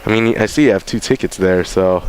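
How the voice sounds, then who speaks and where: A man's voice: sits low, a little fast, a little hiss or hum. A man doing color commentary at a college baseball game, chatty and joking, with many restarts. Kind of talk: sports commentary and banter.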